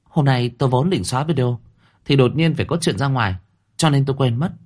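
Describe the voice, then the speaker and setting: A man's voice: medium pitch, very animated, slow, a little mellow, voice pushed up. A man voicing a spoiled, scheming teenage girl who whines and coldly blames others. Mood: accusing. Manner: whiny, then cold and accusing.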